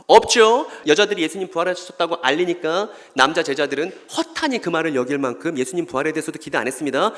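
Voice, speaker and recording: A man's voice: on the high side, lively intonation, fast talker, few pauses, fairly bright tone. A man giving a Bible lecture at a church, who keeps putting questions to the audience and then answering them himself. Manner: acts out short scripture dialogues in voices. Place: church hall. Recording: long reverb of a church hall.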